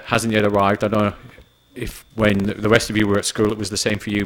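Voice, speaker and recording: Man chairing a conference session. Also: fairly low pitch. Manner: relaxed, joking, measured. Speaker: session moderator.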